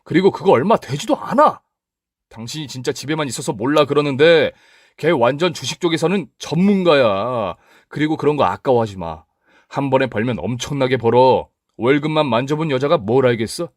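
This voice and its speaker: A man's voice: medium pitch, expressive, brisk, no room sound, clean studio sound, voice pushed up, lightly acted. A man playing an arrogant businessman husband who snaps condescendingly at his wife. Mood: irritated. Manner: irritated, condescending, snapping.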